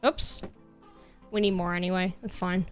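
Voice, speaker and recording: A woman's voice: on the low side, steady tone, normal speed, clean tone. A young woman casually chatting with her viewers while playing a game, bubbly and talkative, saying she is losing her voice. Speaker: streamer. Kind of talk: casual gaming livestream chat. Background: soft background music.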